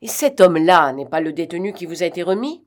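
A woman's voice: fairly low pitch, very animated, fast talker. Woman reading as a stern court president. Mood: questioning.

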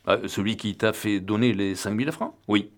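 A tipsy, cagey man who dodges every question, his low voice stumbling and halting. A man reads him in a storybook, keeping close to his own voice. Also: natural voice. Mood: evasive. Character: drunk, evasive man nicknamed the gentleman.

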